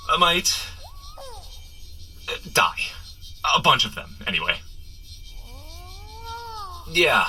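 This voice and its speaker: Flustered wisecracking superhero, highly animated intonation, sharp bright tone, rambling nervous jokes, comic audio-drama coaching. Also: male voice, heavily acted, low-quality recording. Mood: awkward, uneasy. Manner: rambling, sheepish, nervously joking asides. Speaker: character guide in an audio running adventure. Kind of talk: comedic audio drama monologue.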